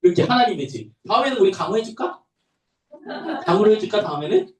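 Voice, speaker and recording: A young adult man gives a children's sermon in a high, lively, sing-song voice, his pitch bouncing up and down as he talks to little ones. He sounds a bit far from the mic, and the church room around him rings with echo. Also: quick pace. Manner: animated, sing-song storytelling to toddlers. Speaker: pastor. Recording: echoey room, voice from a distance.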